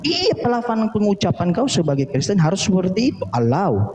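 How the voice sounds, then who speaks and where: A man's voice: sits high, sing-song, fast, a little mellow. A man in a heated live debate, insistent and hectoring, often repeating himself. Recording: echoey, dull lo-fi stream with faint noise.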